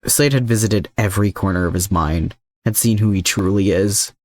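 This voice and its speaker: A man's voice: fairly low pitch, normal speed, a little mellow, no echo, clean studio sound. A man reading scripted fan fiction aloud as the narrator of an audio story. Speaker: podfic narrator.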